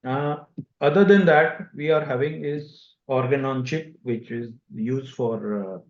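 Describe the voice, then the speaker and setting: Halting Indian businessman, echoey muffled call. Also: medium pitch. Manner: halting, pauses mid-sentence. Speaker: company executive briefing investors. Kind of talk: unscripted conference call answers. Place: online conference call. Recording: dull, echoey conference call audio.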